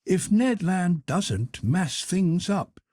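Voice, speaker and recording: Casting: male narrator as a deferential, inquisitive manservant for a classic audiobook, lifted pitch, very lively intonation. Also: slow pace, no room sound, clean studio sound, full character voice. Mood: polite, curious. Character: deferential, curious male servant, higher-voiced and polite. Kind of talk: audiobook character dialogue.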